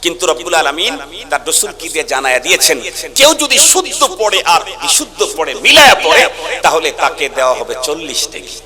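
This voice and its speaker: A Bangladeshi preacher with a high, ringing voice delivers a waz sermon in a rising and falling chant, moving from hushed lines to full shouts. He keeps goading his listeners to call back. The noise of a big crowd hums behind him the whole time. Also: very animated, fairly quick. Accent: Bangladeshi Bengali. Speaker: Islamic preacher.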